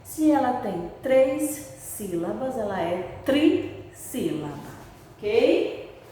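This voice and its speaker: A woman teacher giving a lesson, talking slowly and patiently, stretching and repeating words and asking questions she then answers herself. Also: fairly high pitch, sing-song, dark tone. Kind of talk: recorded grammar lesson for pupils. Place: room with a board she writes on and erases. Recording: very echoey, long reverb, far from the mic, faint hiss.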